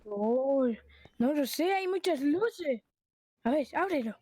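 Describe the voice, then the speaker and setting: A high-voiced woman chats casually over a game. She reacts in short exclamatory bursts with very lively intonation. Faint noise and clicks sit behind her. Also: slow. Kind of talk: casual excited gaming chat.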